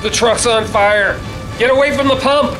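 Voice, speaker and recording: A man's voice: extremely high pitch, moderate pace. An actor playing a tough, hot-tempered man fighting off ghouls, urgent and commanding, in a radio play. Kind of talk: live staged radio play reading. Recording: stage reading with music underneath.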